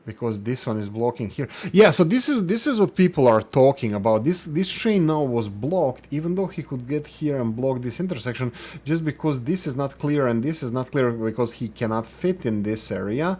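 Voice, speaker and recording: A man's voice: mid-range voice, animated, normal speed, darkish tone, husky. A man from Croatia commenting casually over his own gameplay, rambling with many fillers and restarts, self-deprecating. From Croatia (Slavonia). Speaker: gaming channel host. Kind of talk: casual let's play commentary.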